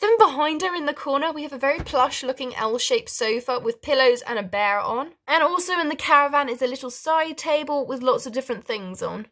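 Chatty high-voiced woman giving a tour. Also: expressive, a little fast, few pauses, fairly bright tone. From United Kingdom. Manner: chatty, self-deprecating asides. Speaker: toy barn tour vlogger. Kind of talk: casual narrated tour.

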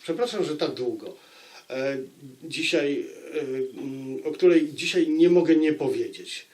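A man giving an informal spoken book review to viewers, deliberate, with dramatic pauses and repeated phrases for emphasis. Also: on the high side, darkish tone. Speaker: book review channel host.

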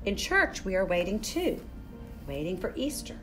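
An older woman hosting a children's story time, speaking in a gentle, deliberate way for young listeners. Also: mid-range voice, very animated, music in the background. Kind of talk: children's story time, picture book read-aloud. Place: furnished room in a church building.

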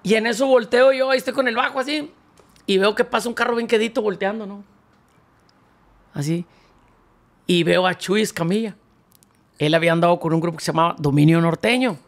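A man, a band founder and accordionist, telling slangy, animated anecdotes as a guest in a casual interview. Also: sits high, fairly quick, long pauses.

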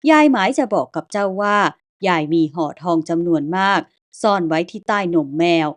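A woman voicing a kindly old grandmother ghost who speaks in calm, old-fashioned rustic words and reassures the listener. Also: fairly low pitch, normal speed, close to an everyday voice. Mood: reassuring.

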